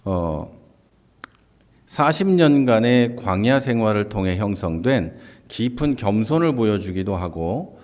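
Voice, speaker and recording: A man's voice: fairly low pitch, darkish tone. Man giving an explanatory Bible lecture. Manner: explains step by step, often starting a point with "자"; acts out quoted lines with livelier voice.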